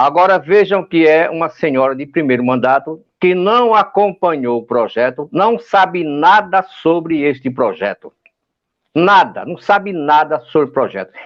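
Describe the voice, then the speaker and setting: A man's high-pitched voice, fairly slow, with lively intonation. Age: 60s. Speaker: professor and pension rights commentator. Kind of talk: political commentary on online show. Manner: animated.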